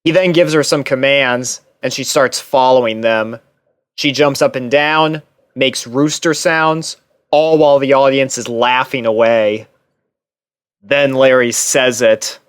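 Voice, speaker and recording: A man reading fan fiction as a first-person narrator, expressive and theatrical. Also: medium pitch, unhurried, clear, resonant tone, no room sound, clean studio sound.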